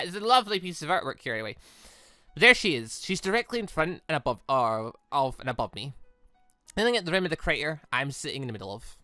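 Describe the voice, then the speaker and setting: Animated, bright-voiced reader of a visual novel. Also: medium pitch, no room sound. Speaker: gaming video host reading a visual novel aloud. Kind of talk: casual let's play commentary mixed with dramatic read-aloud narration.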